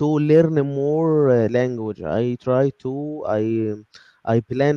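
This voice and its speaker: In an Arabic accent, a man talks at a medium pitch with fairly even intonation. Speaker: audience participant. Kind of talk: casual chat. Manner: halting.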